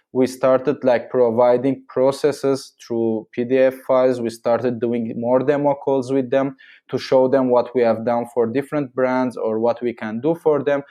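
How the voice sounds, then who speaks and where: Halting man from Syria, mellow voice. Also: medium pitch. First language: Armenian and Arabic. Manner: hesitant, many fillers and restarts. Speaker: marketing agency owner, guest. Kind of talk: podcast interview answers.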